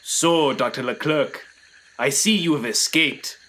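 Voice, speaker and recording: A man's voice: fairly high pitch, a little slow, pushed and bright. A man playing a proud, ominous jungle tribal leader with formal, portentous delivery in a radio play.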